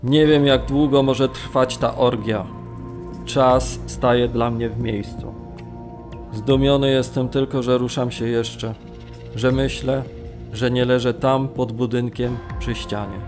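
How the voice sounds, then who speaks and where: A man's voice: medium pitch, fairly even intonation, slow pace, close to an everyday voice. Actor as harrowed male camp prisoner, music behind. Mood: grim, harrowed. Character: male camp prisoner recounting his brutal ordeal. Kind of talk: dramatised documentary narration of survivor testimony.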